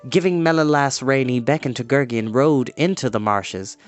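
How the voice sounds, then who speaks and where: A storyteller giving a measured, expressive reading of a scripted adventure story. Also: mid-range voice, soft background music. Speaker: storyteller reading a novel aloud.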